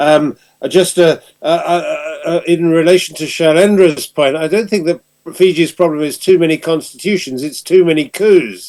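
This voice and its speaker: This man talks at a moderate pace with a high pitch and fairly even intonation. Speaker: professor. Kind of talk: panel discussion. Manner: loud; halting.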